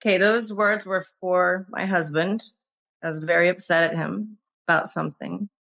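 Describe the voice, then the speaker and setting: A woman on a talk show answers her critics in a hesitant, defensive way. Her voice is low and gravelly with vocal fry. The recording sounds dull and lo-fi. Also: steady tone, moderate pace, a bit bright.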